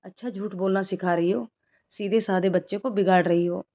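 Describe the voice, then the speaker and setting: A woman's voice: medium pitch, steady tone, brisk, natural voice. A woman reading the part of a playful young man in love who teases and sings to his girlfriend, in a storybook narration. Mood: teasing. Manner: teasing, sings filmy lines. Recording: dull lo-fi recording.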